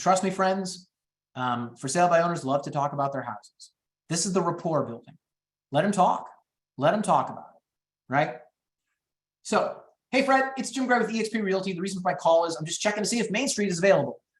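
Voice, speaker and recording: A high-pitched man's voice with very wide pitch swings and long, frequent pauses. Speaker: real estate agent and sales trainer. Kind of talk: sales training webinar. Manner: high energy, upbeat; animated, role-plays phone scripts.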